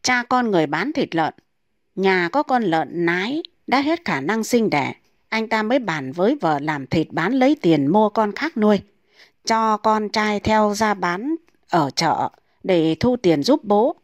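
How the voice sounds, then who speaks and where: A woman reading comic folk tales aloud in a brisk, steady storytelling manner. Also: medium pitch, no echo, clean studio sound.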